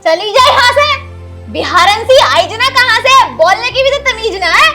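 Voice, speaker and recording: A woman's voice: very high-pitched, lively intonation, moderate pace, bright, forceful tone, soft background music, full character voice. A woman playing a harsh, scolding village mother-in-law. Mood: contemptuous. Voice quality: scolding, contemptuous. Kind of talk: rural Hindi film drama.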